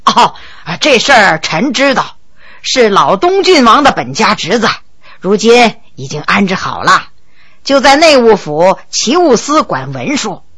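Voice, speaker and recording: A woman voicing a brisk, impatient royal prince in a storybook, speaking in a lowered voice. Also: sing-song, fairly bright tone, slightly rough, exaggerated voice.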